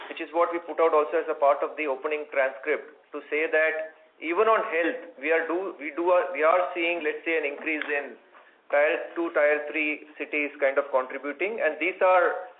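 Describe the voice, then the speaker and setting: A man with an Indian accent speaks as a company executive on an earnings call. His voice sits a bit high, and he talks in measured corporate phrases. The audio is thin and phone-like. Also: fairly even intonation, slight background noise. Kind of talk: earnings call question-and-answer. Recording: narrow tinny phone-line audio.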